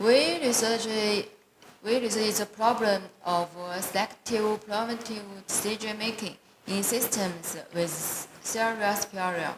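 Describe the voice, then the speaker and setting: Over noticeable background noise, a woman with a non-native accent and a fairly high pitch talks at a fairly slow pace with long, frequent pauses and fairly even intonation. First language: not English. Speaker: conference presenter. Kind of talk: conference talk with Q&A. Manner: halting.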